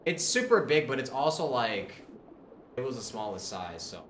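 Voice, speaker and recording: A man chatting casually on a livestream in an informal, halting, conversational way. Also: medium pitch, sing-song, fairly bright tone, slight background noise.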